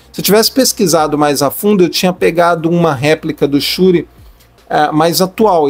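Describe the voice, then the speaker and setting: Speaking at a moderate pace with ordinary pitch variation, the voice comes over faint background music. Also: man. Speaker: tech hobby youtuber. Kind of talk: tutorial. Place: home room. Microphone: lapel.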